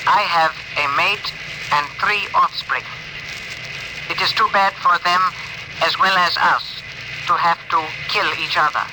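An actor playing a gentle alien ship's communicator who speaks in stiff, oddly formal phrases, in a 1950s radio drama. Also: male voice, high-pitched, measured pace, pauses often. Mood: solemn. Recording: hissy old radio broadcast.

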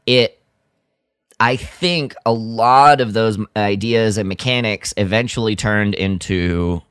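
A man co-hosting a podcast in casual chat, thinking aloud in loose, halting phrases. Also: on the low side, a bit bright, clean tone, dry recording, clean studio sound. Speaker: podcast co-host.

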